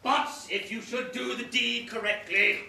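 A man's voice: very high voice, steady tone, measured pace, gravelly, pushed and bright, full character voice. A man playing a bossy, scheming, pompous goblin villain in an amateur stage pantomime. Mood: commanding. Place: theatre stage, filmed from the back. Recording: distant echoey theatre recording, noisy.

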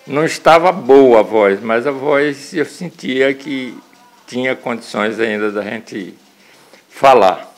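Man in his seventies, halting speech. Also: medium pitch. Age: 70s. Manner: halting, with restarts. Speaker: interviewee. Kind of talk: casual recollection.

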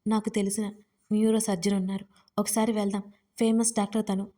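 A woman's voice: mid-range voice, little pitch movement, brisk, lightly acted. A woman narrator voicing a distraught young woman who pleads with and scolds her friend through tears. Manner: tearful, pleading, shouting.

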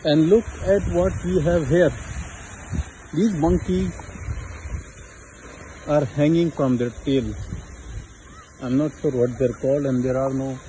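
A man's voice: fairly high pitch, steady tone, takes it slowly, long pauses, warm tone. Young South Asian man vlogging, noisy outdoor audio. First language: Hindi-Urdu. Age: young adult. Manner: chatty, talks to the animals. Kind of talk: casual zoo vlog chat. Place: outdoor zoo. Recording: noisy outdoor phone recording.

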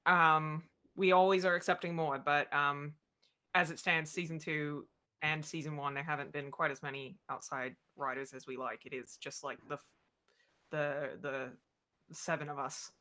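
Bright-voiced woman chatting on a panel. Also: low-pitched, little pitch movement, moderate pace. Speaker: panelist, podcast writer. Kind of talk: casual explanatory panel talk. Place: indoor room at home, video call.

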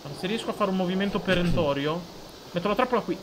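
Fast-talking, jumpy man gaming. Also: sits high, background noise. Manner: jumpy, easily scared, excitable. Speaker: streamer playing a co-op horror game. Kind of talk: casual gaming chat.

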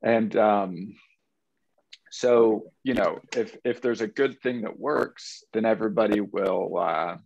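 A man with a low, gravelly voice rambles through his point in a casual group call, often leaning on "like." The sound is dry and close, with dull lo-fi call audio. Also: dry recording. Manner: rambling, uses "like" often, apologetic. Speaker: meetup participant.

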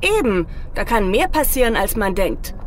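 An actress playing a mysterious, gently insistent wife in a science fiction audio drama, earnest in manner. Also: female voice, mid-range voice, big pitch swings, normal speed, slight background noise, lightly acted. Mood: anxious, affectionate.

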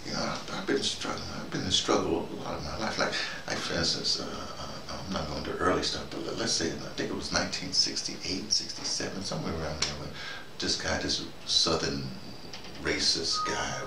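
An older American man giving a rambling, halting conversational monologue, repeating himself and speaking colloquially with emphasis. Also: a bass voice, creaky. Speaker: host, storytelling activist. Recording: noisy, roomy, distant microphone.

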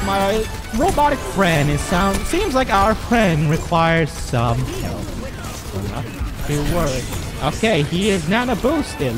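A man commentating on a shooter game in formal, deliberate phrases, his voice run through a voice changer. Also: a little high. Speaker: gamer. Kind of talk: gameplay commentary. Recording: game music and sounds behind.

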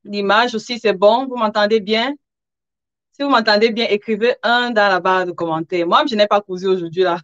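A woman's voice: mid-range voice, a little fast, a bit bright, dry recording. Woman hosting a casual livestream, dull audio. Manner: informal, chuckles between phrases, addresses viewers directly. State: somewhat tired. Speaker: live interview host, sewing content creator. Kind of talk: casual livestream chat with viewers.

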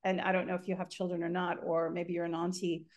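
A middle-aged woman hosting an interview over a video call from home, talking haltingly with many fillers. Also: lowish voice, monotone. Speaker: host. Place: home room, indoors.

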